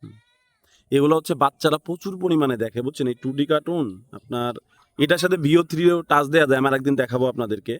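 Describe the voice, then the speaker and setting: A man's voice: a little high, fast talker, no echo. A man with a Bangladeshi accent giving a casual, unscripted step-by-step tutorial, thinking aloud and often checking in with short tag questions. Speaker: tutorial instructor.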